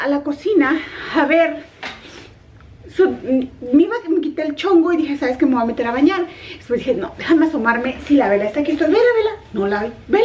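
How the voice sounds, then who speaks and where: A woman's voice: sits high, distant mic, highs cut off, slight background noise. A middle-aged woman, chatting casually in a home vlog and slipping in English words. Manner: chatty, animated storytelling mixing in English words. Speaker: vlogger. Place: her home, kitchen and yard.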